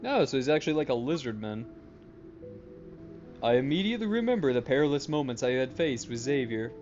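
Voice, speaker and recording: A man streaming a game, reading its text aloud and adding excitable, jokey commentary. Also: medium pitch. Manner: jokey, excitable, quick asides. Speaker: gaming streamer. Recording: muffled, game music behind.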